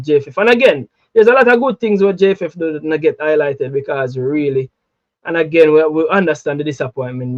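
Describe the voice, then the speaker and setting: A Jamaican man chatting casually about football, animated, slipping into patois. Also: fairly high pitch, dry recording, highs cut off. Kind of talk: casual chat.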